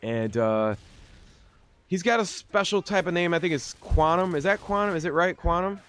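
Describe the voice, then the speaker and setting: A man's voice: sits high, expressive, normal speed, a bit bright, clean tone. Chatty, slangy man hosting a gaming video. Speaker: host of a gaming video series. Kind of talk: casual interview over game commentary.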